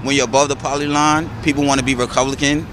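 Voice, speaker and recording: A man's voice: mid-range voice, level tone, racing. Regular guy giving his take on the street, casual but emphatic, some traffic noise. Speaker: passerby interviewee. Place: outdoors on a busy city sidewalk. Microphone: handheld interview mic. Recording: noisy busy city street with traffic.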